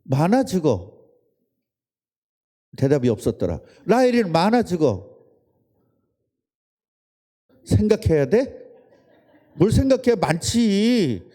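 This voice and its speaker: A man's voice: high-pitched, big pitch swings, takes it slowly, long pauses, warm tone. A man preaching a casual sermon, chatting with and quizzing his congregation and its children. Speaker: pastor. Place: church service room.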